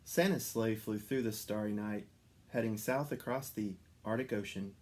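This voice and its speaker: A man reading a children's story aloud as an expressive narrator. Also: fairly low pitch, moderate pace. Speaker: storybook reader.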